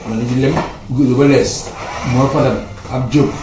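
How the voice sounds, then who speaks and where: A man with a Senegalese accent interviewing a guest on a sports show, agreeable and quick with short affirmations. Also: medium pitch, fairly even intonation, noisy background. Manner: agreeable, frequent back-channel responses. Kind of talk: conversational interview, mixing two languages. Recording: roomy, distant mic with faint music.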